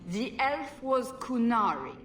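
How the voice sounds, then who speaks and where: A woman's voice: on the high side, big pitch swings, slow, fairly bright tone, soft background music, full character voice. A woman playing a stern fantasy game warrior, matter-of-fact and demanding. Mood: stern, puzzled. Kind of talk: video game voice acting. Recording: echoey, distant, faint background noise.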